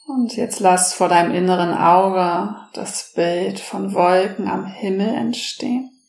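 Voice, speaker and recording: A woman speaking slowly and softly, leading a guided relaxation meditation. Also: mid-range voice, gravelly. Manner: slow, soft-spoken, soothing. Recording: roomy echo.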